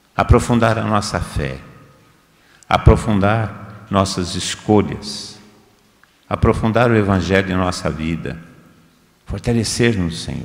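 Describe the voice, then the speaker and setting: In a room with audible echo, a man with a fairly low voice and vocal fry speaks at a fairly slow pace with ordinary pitch variation, big swings in loudness and long, frequent pauses. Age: 70s. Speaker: preacher. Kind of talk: sermon. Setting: leadership meeting.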